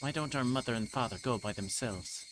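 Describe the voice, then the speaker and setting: A man's voice: medium pitch, a little fast, noisy background, close to an everyday voice. A man reading the part of a stubborn, mischievous young girl from a visual novel. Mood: sulky, stubborn.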